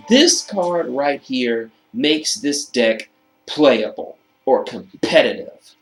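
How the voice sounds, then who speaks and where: Emphatic, slightly hoarse man over music. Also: mid-range voice, fairly bright tone, poor audio. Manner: emphatic, repeats key phrases slowly. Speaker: video host presenting a card game deck. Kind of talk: casual deck profile commentary, reading card text.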